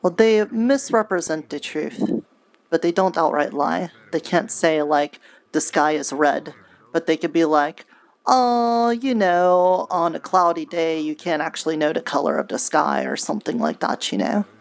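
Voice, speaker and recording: A woman doing improvised in-character roleplay, speaking in an earnest, measured, diplomatic way. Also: deep voice, animated, vocal fry. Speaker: roleplay streamer playing a character.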